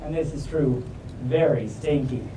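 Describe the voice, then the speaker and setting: Reading to a crowd in a convention room, a woman delivers a picture book in a rumbling low voice at a measured pace, theatrical and joking, with playful asides along the way. The recording sounds distant and echoey, with faint noise.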